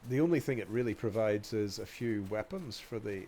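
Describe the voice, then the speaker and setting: A man's voice: fairly low pitch, lively intonation, fairly quick, warm tone. Guy with a cold, stuffy nasal voice, rambling along with lots of ums, bit of background hum. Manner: meandering, hesitant, many ums and restarts. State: stuffy nose from a cold, coughing. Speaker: video host. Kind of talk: rambling walk-along commentary.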